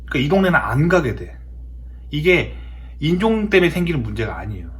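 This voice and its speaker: A man's voice: a little high, sing-song, fairly quick. A man from South Korea talking casually in a storytelling monologue, emphatic and often repeating his words for effect. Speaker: host of a talk show.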